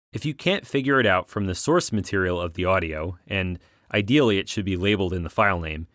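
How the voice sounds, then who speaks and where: A man with a fairly low voice delivers scripted tutorial narration. He explains each step clearly, like an instructor guiding a learner through software. The recording is close and very dry, with no room sound. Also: no echo.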